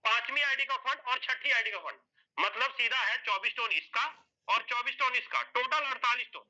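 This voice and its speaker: A man's voice: very high voice, moderate pace, bright, forceful tone. A man walking listeners through an explanation on a whiteboard, step by step, repeating points, asking himself questions and answering them, and calling his listeners sir and brother. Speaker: presenter explaining an earning plan. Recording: dull lo-fi recording.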